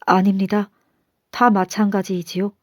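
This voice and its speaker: A woman's voice: mid-range voice, level tone, a little slow, no room sound, clean studio sound, lightly acted. Woman doing a pompous nobleman. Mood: pleading. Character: arrogant male Seoul nobleman, pompous then groveling.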